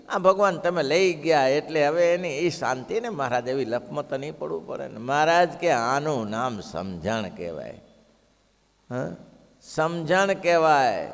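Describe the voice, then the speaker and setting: A man giving a devotional sermon, telling stories expressively and asking the listeners rhetorical questions. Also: on the high side. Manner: expressive, rhetorical questions, acts out quoted villagers. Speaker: religious discourse speaker. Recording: long hall reverb.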